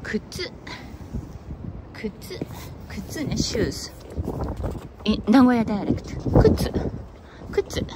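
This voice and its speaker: A woman's voice: on the high side, big pitch swings, slow, pauses often. A Japanese woman hosting a casual live-stream walk through city streets, switching between English and Japanese and answering viewers' chat. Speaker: live-stream walking host. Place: city streets outdoors, windy. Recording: loud wind and street noise.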